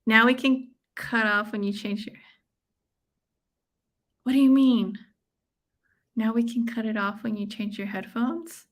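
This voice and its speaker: A woman's voice: on the high side, unhurried, long pauses. An American woman hosting a live watch-along, chatting casually with viewers in an informal, effusive, slangy way. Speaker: livestream watch-along host. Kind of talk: casual live chat with viewers and fight commentary.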